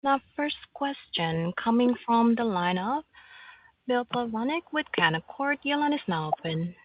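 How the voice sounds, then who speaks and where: A woman's voice: a little high, expressive, measured pace, no room sound. Woman operator on a dull conference line. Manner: formal, procedural. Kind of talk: scripted call instructions.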